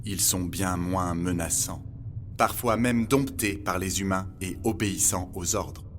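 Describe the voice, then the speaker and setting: A man playing a polite robot guide in an audio documentary drama, speaking in a measured, formal way over music. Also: deep voice, a bit bright, a little hiss or hum. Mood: measured, explanatory. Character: polite, earnest male robot guide recounting humanity's end. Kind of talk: scripted documentary fiction narration. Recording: music bed behind the voice.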